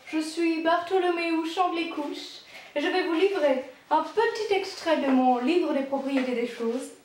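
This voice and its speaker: A woman playing a self-important old-time scholar man, high voice, slow and drawn out, fake accent. he lectures in a bouncing echoey room, like a comedy sketch. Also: a little mellow. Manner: mock foreign accent, slow lecturing delivery. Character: pompous medieval male encyclopedist, jokey.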